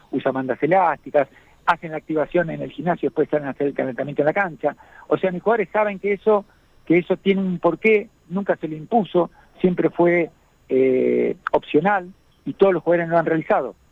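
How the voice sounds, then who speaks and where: Talking at a fairly quick pace, a man with a high pitch uses ordinary pitch variation. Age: 60s. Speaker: football fitness coach. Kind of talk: radio interview.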